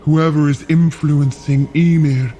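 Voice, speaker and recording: A man playing a solemn, idealistic, weary frost giant in an audio drama, speaking in grave, measured storytelling. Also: a little high, steady tone, warm tone, lightly acted. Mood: earnest, resolute. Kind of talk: scripted audio drama acting.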